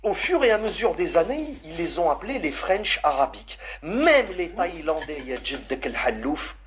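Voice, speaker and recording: A man's voice: on the high side, big pitch swings, moderate pace. A man hosting a live stream, speaking casually and sarcastically as he holds forth to his listeners. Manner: sarcastic, holding forth, calling listeners "brother". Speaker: livestream host.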